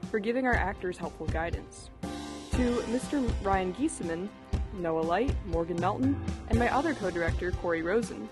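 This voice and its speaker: Young woman reading thanks over music. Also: medium pitch. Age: young adult. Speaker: student director of a radio drama. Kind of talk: scripted thank-you speech.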